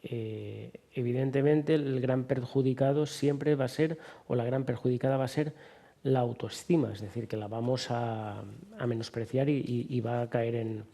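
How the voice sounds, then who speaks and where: Male TV host, mellow dark voice, measured hesitant questions. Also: mid-range voice, steady tone. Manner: asks long framed questions with hesitations. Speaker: TV interviewer host. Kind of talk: TV interview questions.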